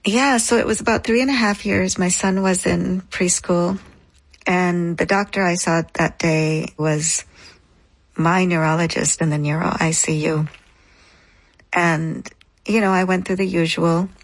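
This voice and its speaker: Woman in her thirties, interview guest; earnest, reflective storyteller, slightly low and husky, close dry mic. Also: no room sound, rough recording. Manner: earnest, reflective, speaks in short phrases.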